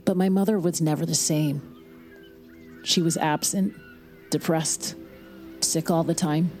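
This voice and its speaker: An actress playing a grieving young married woman who narrates her story quietly in an audio drama. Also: sits low, steady tone, a little slow, soft background music. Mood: somber. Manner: quiet, somber, reflective. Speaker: narrator and lead character.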